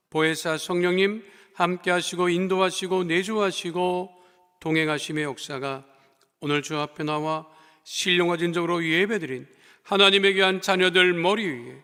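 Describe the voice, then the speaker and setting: A male pastor preaching and praying fervently, with emphatic declarations that swell loud and fall soft. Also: high voice, smooth. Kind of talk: sermon and fervent prayer. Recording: long church reverb.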